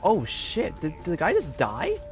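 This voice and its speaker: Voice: mid-range voice, wildly swooping pitch, normal speed, faint music behind. A game streamer giving casual, hesitant, puzzled reactions while playing.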